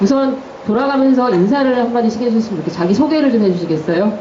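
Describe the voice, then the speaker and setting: The speaker talks at a very fast pace with lively intonation. Audible room echo and noticeable background noise are present. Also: woman. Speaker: trainee labor attorney, panel moderator. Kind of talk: public talk moderating a panel.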